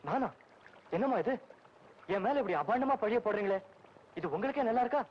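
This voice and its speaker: A man's voice: very high voice, expressive, a little fast, slight background noise. A flustered, meek village man. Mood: pleading. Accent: Tamil. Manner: pleading, flustered. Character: meek, wrongly accused young village man. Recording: dull old film soundtrack with music.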